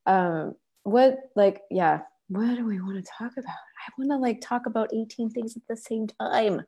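A woman's voice: on the high side, normal speed, dark tone, breathy edge. A woman hosting a casual video-call chat, talking in a scattered way, often breaking off and restarting, with casual swearing. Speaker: podcast host and facilitator.

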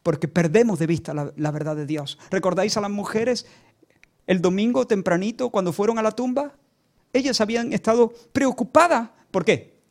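Dramatic high-voiced Spanish preacher. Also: male voice, moderate pace. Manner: dramatic, swings between hushed and loud, repeats words for emphasis. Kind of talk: sermon.

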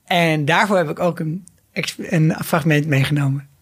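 An enthusiastic Dutch man talking with friends on a podcast. His voice sits high for a man and has a husky edge. He talks eagerly and quickly. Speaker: podcast co-host. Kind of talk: casual chat.

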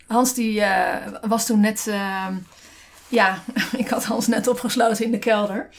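A woman's voice: mid-range voice, fairly even intonation, measured pace, vocal fry, slight background noise. A woman co-hosting a casual podcast from a desk beside her partner, telling a story with many fillers and restarts. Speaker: podcast co-host.

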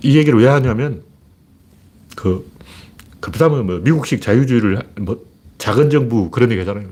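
A man giving a political commentary monologue, animated, acting out shouted orders in mock voices. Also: medium pitch, brisk.

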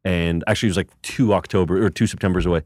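A man's voice: deep voice, fairly even intonation, darkish tone, no room sound, clean studio sound. A man from Canada, a comedian co-host who grew up speaking Polish, chatting casually with stammering restarts. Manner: quick, stammering restarts, self-deprecating jokes. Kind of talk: casual chat.

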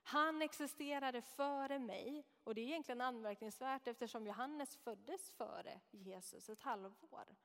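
Woman Bible teacher, high-ish voice, reflective and explanatory, long hall reverb. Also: hardly any pauses, a bit bright. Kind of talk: scripture reading and commentary.

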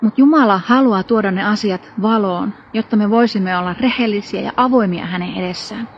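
A woman's voice: medium pitch, husky. A woman preaching a sermon, retelling a Bible story with earnest emphasis and rhetorical questions. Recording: dull lo-fi recording.

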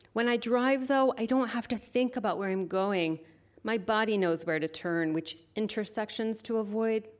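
A woman speaking as a poet at a live reading, with measured, deliberate phrasing into an event microphone. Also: mid-range voice. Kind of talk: live poetry reading with informal introduction. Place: live literary event before an audience.

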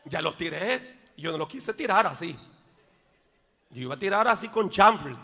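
A male pastor preaching a sermon in church, rising to shouts and dropping into joking asides. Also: high voice, expressive, moderate pace, vocal fry. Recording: long reverb of a church hall.

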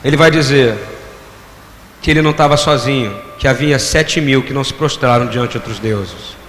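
A man's voice: mid-range voice, moderate pace, fairly bright tone. A man preaching a sermon, drawing the congregation into repeating phrases and firing rhetorical questions at them. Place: church hall. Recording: echoey hall with long reverb, faint room noise.

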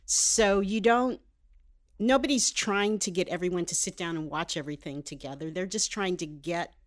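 An older American woman, a television writer, speaking as a guest in a casual interview, measured and reflective. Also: on the low side. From United States. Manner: measured, reflective, thinks aloud.

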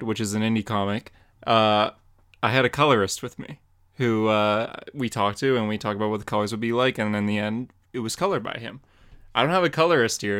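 A man's voice: medium pitch, clear, resonant tone. Young man, joking podcast co-host. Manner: laughing, joking, relaxed. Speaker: podcast co-host and comic artist. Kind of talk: casual chat.

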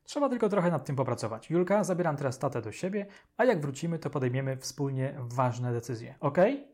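A man voicing a cheerful, reassuring young doctor in an audiobook, with brightly raised tone. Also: medium pitch, lively intonation, brisk, lightly acted. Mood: cheery. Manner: upbeat, reassuring. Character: cheerful young male doctor, soothing and optimistic. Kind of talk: audiobook character voice.

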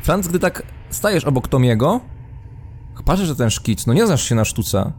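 Mellow-voiced man narrating a tabletop game. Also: fairly high pitch, big pitch swings, normal speed. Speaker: game master. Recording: faint background noise.

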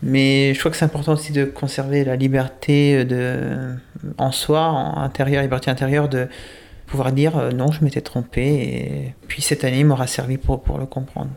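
Young man in his twenties, seminary candidate, gravelly and flat delivery, hesitant and reflective, full of pauses. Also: mid-range voice. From Italy. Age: 20s. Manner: hesitant, thoughtful, many pauses and restarts. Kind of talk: casual interview answers.

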